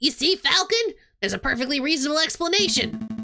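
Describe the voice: A woman's put-on character voice, high-pitched and very fast, with very wide pitch swings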